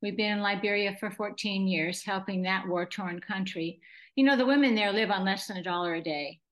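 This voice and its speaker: A woman's voice: medium pitch, fairly quick, fairly bright tone, low-quality recording. A woman in her eighties from Southern California, a gracious, enthusiastic guest chatting in an interview and laughing easily. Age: 80s. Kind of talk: casual interview chat.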